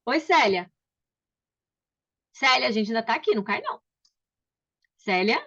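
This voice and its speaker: Over slightly dull video call audio, a woman from Brazil leads a casual book club chat. Her fairly high voice is very animated, pushed and bright, at a moderate pace, and she's chatty and welcoming, frequently restarting what she says.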